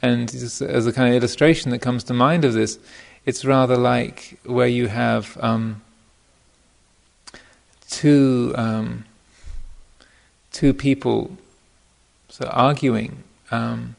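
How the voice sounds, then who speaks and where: A man giving an informal dharma talk as a meditation teacher, speaking thoughtfully and hesitantly, often pausing mid-phrase, in a gravelly voice. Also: medium pitch, fairly even intonation. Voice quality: gravelly, creaky voice. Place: meditation retreat center.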